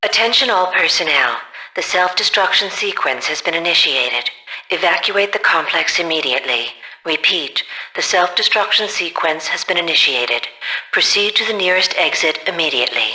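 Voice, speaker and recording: Formal clipped facility announcer for a game, very sharp low-pitched voice. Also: female voice, expressive, moderate pace, low-quality recording. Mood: urgent, formal. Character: impersonal female evacuation announcer.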